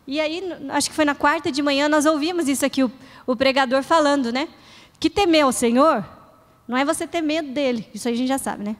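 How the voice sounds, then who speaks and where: A middle-aged woman pastor preaches briskly in a high-pitched voice, earnest yet conversational, performing short prayers as examples. The sermon takes place in a church hall with noticeable reverb.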